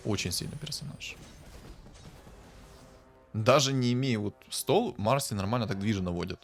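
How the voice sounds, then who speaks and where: A streamer talks his way through a match in a rather low voice, musing aloud and now and then flaring up with excitement. Faint music plays under his commentary. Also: normal speed. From Ukraine. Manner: thinking aloud, casual, bursts of excitement. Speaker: game streamer. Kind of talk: casual game commentary.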